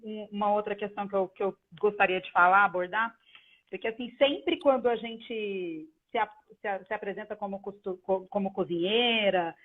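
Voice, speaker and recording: A Brazilian woman interviewing casually on an online live call, often halting as she searches for words. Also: medium pitch. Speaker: journalist, interviewer. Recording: tinny phone-like call audio.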